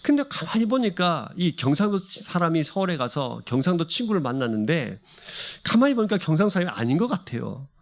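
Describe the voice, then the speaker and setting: A man's voice: a little high, big pitch swings, a little fast. A male pastor preaching a sermon at a church service, speaking with passion and piling up repeated phrases. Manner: impassioned, repeats and builds phrases.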